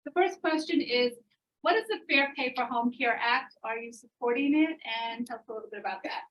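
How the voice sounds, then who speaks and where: A woman's voice: a little high, a little fast, fairly bright tone. A woman moderating a town hall in an informal way, setting out how things will run. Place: indoor community meeting room. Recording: muffled, distant room microphone.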